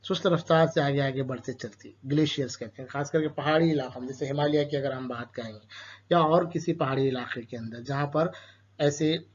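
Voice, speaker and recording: A man with an Urdu-speaking Indian accent explains a school chapter to children, posing questions and answering them himself. His medium-pitched voice moves fairly quickly, and the lo-fi recording sounds dull.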